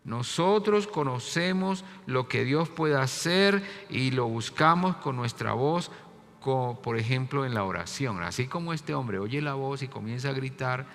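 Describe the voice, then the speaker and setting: Emphatic pastor in an echoing church. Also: male voice, medium pitch, expressive, a little slow. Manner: emphatic, repeats key words, swings between loud and soft. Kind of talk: sermon. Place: church sanctuary. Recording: reverberant church hall with faint music.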